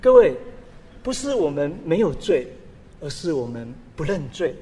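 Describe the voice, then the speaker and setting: A male pastor preaching a sermon with a high, bright-pitched voice that leaps up and down as he fires off rhetorical questions. His delivery is animated and expressive. A long reverb trails behind each phrase. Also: moderate pace, breathy edge.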